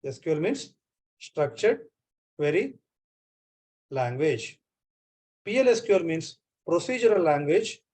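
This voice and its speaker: Indian male trainer, fairly high voice, repetitive online-class delivery over a laptop mic. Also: sing-song, measured pace, pauses often, a little mellow. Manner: repeats phrases often, checks on students.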